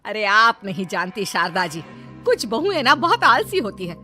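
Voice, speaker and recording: A woman's voice: mid-range voice, sing-song, normal speed, faint music behind. A woman voicing a stern, scolding middle-aged mother-in-law in a cartoon story. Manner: sharp, bossy, complaining.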